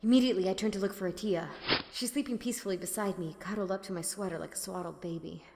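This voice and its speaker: A woman's voice: mid-range voice, quick pace, warm tone, lightly acted. An actress playing a weary, haunted young woman who narrates her own story in an audio drama, intimately and expressively. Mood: uneasy, hushed. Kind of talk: first-person audio drama narration, acted. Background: prominent music.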